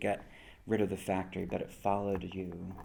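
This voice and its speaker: A man with a Mid-Atlantic US accent talks at a moderate pace, with audible room echo. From rural Pennsylvania. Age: 50s. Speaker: poet. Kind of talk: lecture. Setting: stage with audience.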